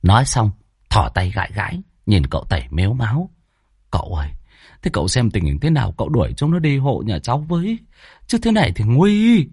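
A man's voice: medium pitch, wildly swooping pitch, a little fast, a little mellow, husky, dry recording, clean studio sound, exaggerated voice. A man voicing a frightened homeowner in his thirties who whines and pleads. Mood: whiny. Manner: whining, pleading.

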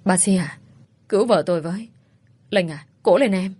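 A woman's voice: medium pitch, normal speed, darkish tone, husky, lightly acted. A woman voicing an angry young husband who speaks curtly and harshly. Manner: curt, harsh.

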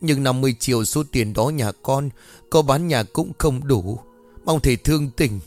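A man's voice: mid-range voice, moderate pace, darkish tone, faint music behind, close to an everyday voice. A man doing a desperate pleading village wife. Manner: pleading, tearful.

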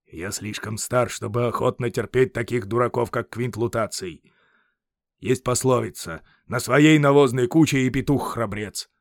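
A man's voice: medium pitch, normal speed, no echo, clean studio sound, close to an everyday voice. Man reading as a blunt aging Roman general. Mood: stubborn. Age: 50s. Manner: blunt, scornful, unbending. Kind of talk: audiobook character reading.

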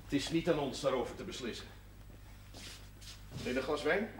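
An actor playing a stern, status-conscious Catholic parish priest who admonishes with dignity in a television period drama. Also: male voice, medium pitch, moderate pace, lightly acted. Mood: reproving. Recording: faintly noisy old television soundtrack.

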